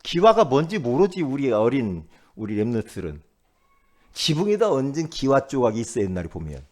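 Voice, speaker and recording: A middle-aged man, a pastor, preaching a sermon with lively swings from loud outbursts to quiet asides. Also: mid-range voice, normal speed.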